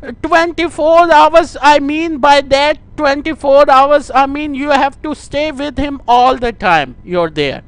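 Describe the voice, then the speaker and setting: High-pitched South Asian man, slow and halting. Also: fairly bright tone, no echo. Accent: South Asian English. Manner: halting, repetitive, deferential. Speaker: prank caller. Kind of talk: staged phone conversation.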